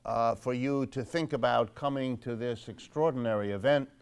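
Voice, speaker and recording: An older man hosts a live evening talk in a church hall, speaking casually to a seated audience. His voice is smooth and resonant, and his delivery is unhurried, with dry asides and plenty of "uh"s. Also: mid-range voice. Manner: dry joking, relaxed, with many "uh" fillers. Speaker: host of a monthly public lecture event.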